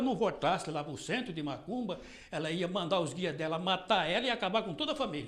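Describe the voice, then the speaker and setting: Lively intonation at a fairly quick pace. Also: man. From Northeast Brazil. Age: 70s. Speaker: retired father of mentally ill daughters. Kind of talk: documentary interview testimony. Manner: halting, with repetitions.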